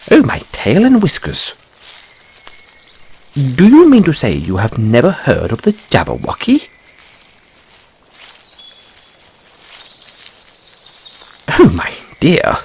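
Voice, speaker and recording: Give the listener a curious white rabbit boy from a fantasy roleplay. The pitch leaps and dips wildly from phrase to phrase. The voice is husky and breathy, with fussy, theatrical musing and quaint little questions. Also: heavily acted. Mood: flustered, astonished.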